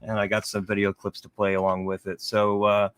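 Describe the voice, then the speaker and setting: A man's voice: fairly low pitch, monotone, brisk, fairly bright tone, clean tone. A man co-hosting a true crime live show, reading out viewer comments and commenting casually.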